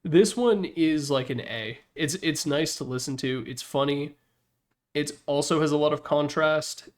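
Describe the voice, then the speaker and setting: A man's voice: on the high side, unhurried. A man giving casual, opinionated commentary in an informal, blunt way, as a gaming content creator.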